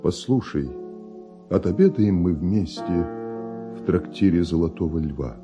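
An actor playing a grave, severe, brooding composer in a verse radio play, with solemn, declamatory theatrical delivery. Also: male voice, deep voice, animated, measured pace, music in the background. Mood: restrained.

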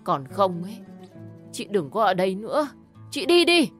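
A woman voicing a furious older mother-in-law who wails and shouts as she scolds. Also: medium pitch, very animated, normal speed, husky, faint music behind, voice pushed up. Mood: scolding.

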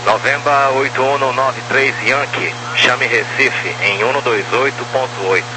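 A man's voice: medium pitch, a little slow. A man with a Brazilian accent giving brief air traffic control instructions over radio. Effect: radio transmission. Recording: humming noisy aviation radio.

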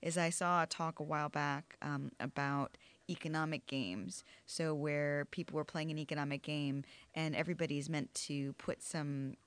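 A woman's voice: sits low, fairly even intonation, moderate pace, hardly any pauses, clear, resonant tone. A woman interviewer asking casual, loosely phrased questions in a conversational way.

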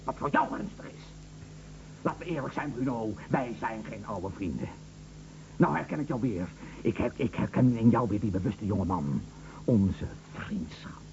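An actor playing a bitter, sarcastic betrayed husband with cold menace in a radio drama. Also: male voice, medium pitch, expressive, normal speed, creaky, darkish tone. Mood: bitter, accusing. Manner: sarcastic, mocking, theatrical. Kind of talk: Dutch radio drama acting. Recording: dull lo-fi radio recording, faint hum.

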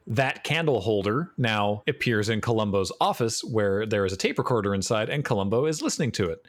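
Male podcast co-host, lower register, close dry sound, easygoing recap delivery with frequent chuckles. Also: no room sound. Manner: chuckles often, does playful character voices while recapping. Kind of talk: casual film recap chat.

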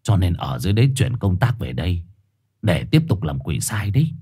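A man voicing a bossy, gruff black four-eyed street dog with a hoarse, raspy voice. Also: deep voice, sing-song, brisk, mellow, voice pushed down, heavily acted. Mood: low, conspiratorial. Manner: growling, rough, condescending.

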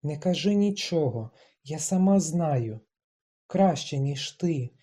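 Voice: medium pitch, lively intonation, slow pace. An audiobook reader voicing a proud, stubborn young woman who speaks in clipped, emphatic lines and rises into defiant outbursts. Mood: earnest. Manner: clipped, emphatic, rising to shouts.

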